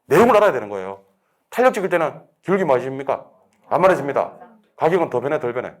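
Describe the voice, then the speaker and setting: A man lecturing a real estate exam class, drilling students with quick questions and answering them himself. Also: medium pitch, sing-song. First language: Korean.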